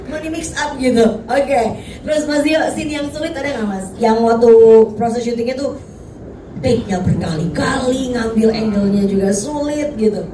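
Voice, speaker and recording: High-voiced chatty woman host. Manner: lively, chatty, quick follow-up questions. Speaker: press conference host. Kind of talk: moderating a press conference. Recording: distant echoey room, noisy.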